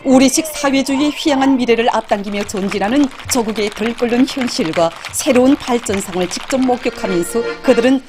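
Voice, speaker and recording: A woman's voice: on the high side, fairly quick, hardly any pauses. A woman with a North Korean accent reading scripted television news in a solemn, formal, declamatory manner. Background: music under the narration.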